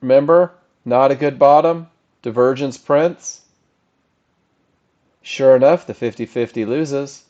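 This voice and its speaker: A man's voice: medium pitch, slow, long pauses, a little mellow. A man giving a live trading lesson as an instructor, addressing a group in short, emphatic phrases and often checking that they follow. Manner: emphatic, with short punchy phrases and rhetorical questions. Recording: slightly dull, lo-fi audio.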